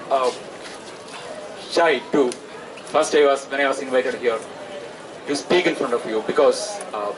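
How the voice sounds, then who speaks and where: A young South Asian man addresses an outdoor gathering in a halting, hesitant way, with a mid-pitched voice. He speaks through a handheld microphone, picked up from a distance with loud outdoor noise around him. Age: 20s. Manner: halting, hesitant delivery with frequent pauses. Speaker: student activist speaker. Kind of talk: public protest speech. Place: outdoors at night, open-sided tent gathering. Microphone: handheld microphone through PA, recorded by camera.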